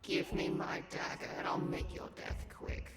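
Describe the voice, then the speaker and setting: A woman playing a cold, deadly vampire villain in an audio drama, threatening in a breathy half-whisper. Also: measured pace, music in the background, lightly acted. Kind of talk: scripted audio drama acting.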